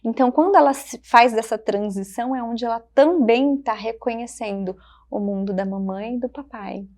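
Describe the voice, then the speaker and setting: A woman with a Brazilian Portuguese accent, a child development specialist speaking gently and reflectively in short phrases on a podcast. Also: a little high, normal speed. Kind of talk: podcast conversation.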